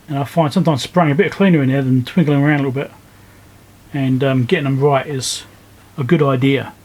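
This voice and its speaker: Working at an indoor electronics workbench, a repair video host walks through a hands-on fix, speaking informally and thinking out loud. His voice is a little high with a darkish tone.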